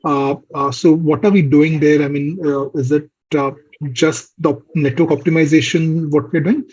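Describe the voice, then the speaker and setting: Male analyst, higher-pitched but soft-toned and husky, halting questions over a dull line. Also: fairly even intonation. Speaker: financial analyst. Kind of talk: asking questions on an earnings conference call.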